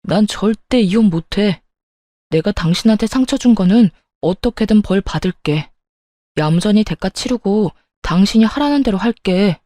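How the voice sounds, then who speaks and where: A cowardly cheating husband, read by a woman narrator, grovels and pleads. The voice is mellow and dark, recorded dry and close. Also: mid-range voice, animated, normal speed, no echo, natural voice. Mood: pleading.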